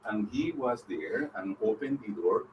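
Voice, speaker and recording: A man from El Salvador giving a personal account on a panel, halting and restarting phrases. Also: fairly low pitch, expressive, highs cut off. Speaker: panel speaker. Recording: distant, noisy recording.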